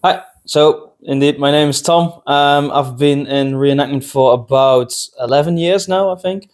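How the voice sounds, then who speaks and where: A man from Belgium, a Dutch native speaker, chats casually as a podcast co-host. His voice is mid-pitched for a man. He talks very slowly and takes his time over each thought. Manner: slow and unhurried, laughs often. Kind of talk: casual chat.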